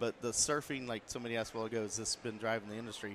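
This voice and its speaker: A man's voice in a dry sound with no echo over light background noise. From Oklahoma (Tulsa); Oklahoma. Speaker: boat company representative; guest. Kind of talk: casual interview. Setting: auto show floor with audience. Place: hall.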